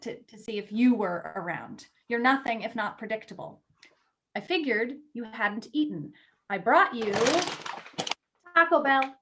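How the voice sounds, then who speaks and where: A woman's voice: a little high, sharp tone. A woman acting in a play reading as a blunt, wry magazine editor who is a loyal, teasing friend.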